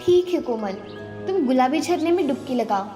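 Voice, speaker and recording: A gentle forest fairy from a cartoon speaks calmly and reassuringly, as a woman acts her out. Her voice is fairly high, warm-hearted and motherly in manner. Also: normal speed, recorded from a distance, music in the background. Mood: kind. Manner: calm, reassuring. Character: kind forest fairy queen, calm and motherly. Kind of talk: cartoon voice acting.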